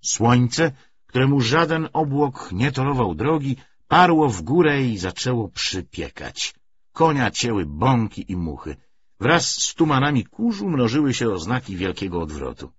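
A man narrating a literary audiobook in an expressive, scripted reading style. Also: medium pitch, unhurried, slightly rough, highs cut off.

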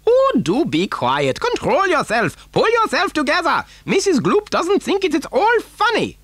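A man's voice: very high-pitched, huge pitch swings, measured pace, a bit bright, dry recording, pitched above the performer's own voice, exaggerated voice. A man voicing a frantic, giggly, eccentric chocolate factory owner in an exclamatory, fussy manner for a storybook. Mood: brisk, fussy.

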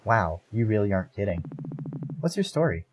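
A man's voice: fairly low pitch, sing-song, moderate pace, background noise. A man voicing a timid, large scaly female creature who talks shyly and hesitantly. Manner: shy, hesitant, wide-eyed. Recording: music bed underneath.

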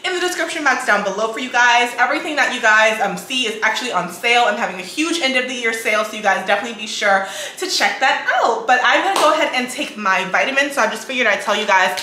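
A young woman, a bit hoarse from a cold, chatting casually to her viewers from her home kitchen. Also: a little high, animated, quick pace, pushed and bright. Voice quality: raspy. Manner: chatty, addresses viewers as guys and y'all. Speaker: lifestyle vlogger. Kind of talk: casual chat to camera. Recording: echoey kitchen with faint noise.

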